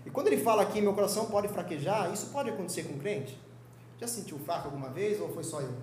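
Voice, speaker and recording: A young man with a Brazilian Portuguese accent teaching a Sunday school sermon in a lively, joking, conversational way. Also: high voice, fast talker, reverberant, slight background noise. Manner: lively, joking, conversational preaching with quoted voices. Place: church hall.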